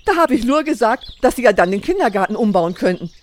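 A woman's voice: a little high, sing-song, fast. An actress playing a chatty, nosy older female neighbour in a radio play, gushing and rambling. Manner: gushing, rambling, overbearing, judgmental. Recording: outdoor scene with birdsong.

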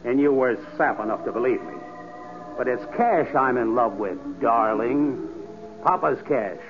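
A man's voice: medium pitch, a little slow, over music, lightly acted. An actor playing a cruel, mocking criminal bridegroom who talks in sneering, slangy tough-guy lines in 1940s radio style. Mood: menacing, mocking. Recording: noisy muffled 1940s radio recording.

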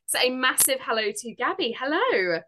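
A woman's voice: high voice, very animated, moderate pace, sharp tone, a little hiss or hum, poor audio. A woman hosting a podcast interview, her voice stuffy from a cold, gushing and enthusiastic, laughing often. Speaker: podcast host. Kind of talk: casual interview chat.

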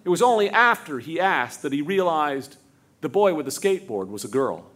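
A man narrating a live story in a light, fairly high voice. He strings long sentences together and drops to a slow hush for the tender parts. It sounds like a storyteller holding a room. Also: very animated. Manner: slows to a hush for tender moments, building run-on sentences. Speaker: storyteller and host.

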